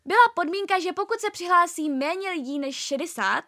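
Young woman cohosting a chatty podcast, high bright voice, lots of ums. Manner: lively storytelling with many fillers. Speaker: podcast co-host. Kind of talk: casual chat.

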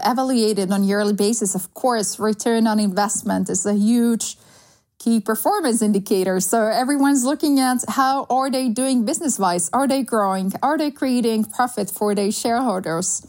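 A woman in her thirties from Slovakia with a Slovak accent, answering interview questions in an earnest, measured way with frequent fillers. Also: a little high, darkish tone. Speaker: guest, sustainability consultancy founder.

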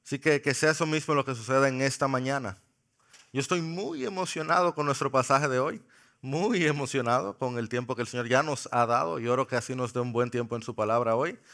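A man preaching a sermon in a church, playful and joking with the congregation, slowing down to stress key words. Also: mid-range voice, fairly bright tone. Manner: slows for emphasis on key words. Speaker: pastor. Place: church sanctuary.

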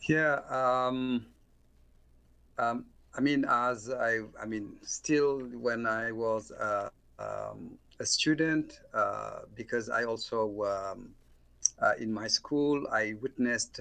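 A middle-aged man from Senegal, a professor and former mayor, answering interview questions over a call, slow and hesitant, with many fillers. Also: medium pitch, vocal fry, pushed and bright.

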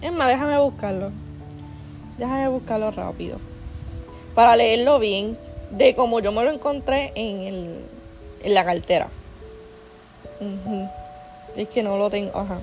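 A woman's voice: mid-range voice, measured pace, long pauses, a little mellow, soft background music. A woman, telling a personal story in a chatty, rambling way with many restarts and fillers, earnest and faith-minded. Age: 20s. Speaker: vlogger.

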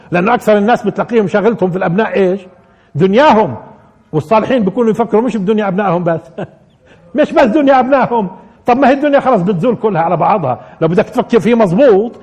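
Man, religious lesson, rhetorical questions, high-pitched, fast-talking. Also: a little mellow, slightly rough. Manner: repeats key phrases and asks the audience rhetorical questions. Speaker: religious teacher. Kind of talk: live Quran commentary lesson.

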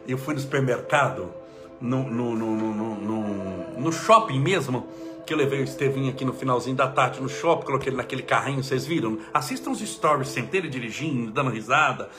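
A man, an energetic spiritual leader giving an emphatic inspirational talk and leading prayer. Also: mid-range voice, brisk, music in the background.

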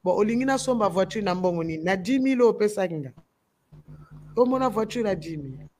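A woman's voice: mid-range voice, lively intonation, brisk, a little mellow, a little hiss or hum. Woman, Congolese French accent, gospel musician, emphatic, repeats phrases, talk-show discussion. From Democratic Republic of the Congo.

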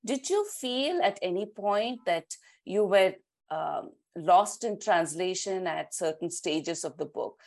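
A woman's voice: on the low side, animated, slow, creaky, a little mellow. A woman interviewing a guest, engaged and asking long, carefully framed questions.

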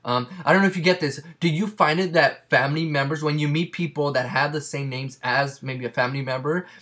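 A man's voice: on the high side, fairly quick, fairly bright tone. A man whose first language is Spanish, hosting a casual interview and talking with many fillers and restarts. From Mexican family. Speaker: podcast host.

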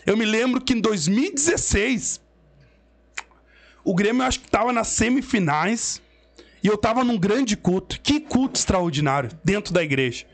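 A man's voice: sits high, lively intonation, normal speed. A man with a Southern Brazilian gaúcho accent giving an emphatic, preacherly religious testimony as an interview guest. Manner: emphatic, preacherly, quotes scripture. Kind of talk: emotional storytelling testimony.

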